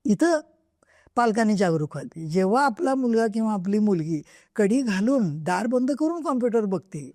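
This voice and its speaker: A woman's voice: medium pitch, animated, moderate pace, a little mellow, no echo, clean studio sound. A middle-aged woman author answering interview questions, earnest and emphatic, often repeating her points for stress. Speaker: guest author. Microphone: podcast microphone.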